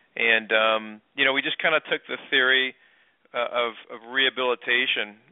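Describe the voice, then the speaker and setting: Medium pitch, fairly even intonation and a moderate pace from a man with an unremarkable speaking voice. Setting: phone call.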